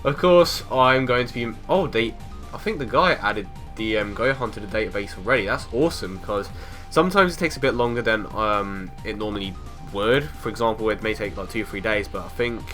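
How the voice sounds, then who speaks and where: A man's voice: on the low side, lively intonation, a bit bright, soft background music. A young man with a bit of a cold, hosting a casual game analysis video in a chatty way full of ums and restarts. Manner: chatty, lots of ums and restarts, quick laughs. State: has a cold, sounds a bit off. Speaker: mobile game video host.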